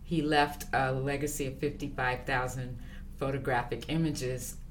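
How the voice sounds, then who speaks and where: Very low-voiced woman, measured talk. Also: fairly even intonation, slight background noise. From born in Liberia, raised abroad. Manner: thoughtful, measured, with fillers and pauses. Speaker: guest, consultant. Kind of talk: interview answers.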